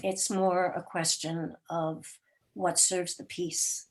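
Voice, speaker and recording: A woman's voice: lowish voice, level tone, slow, a loud crowd. Woman producer explaining her craft thoughtfully. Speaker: radio drama producer, interview guest. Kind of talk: explanatory panel interview talk.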